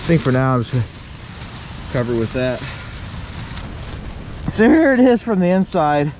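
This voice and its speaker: A man's voice: fairly high pitch, big pitch swings, normal speed. Chatty man filming in windy woods. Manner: chatty, laughs often, exclaims at the cold. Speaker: outdoor vlogger. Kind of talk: casual outdoor vlog. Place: snowy woods at night, by a plastic shelter. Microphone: camera mic, wind noise. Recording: windy outdoor camera audio.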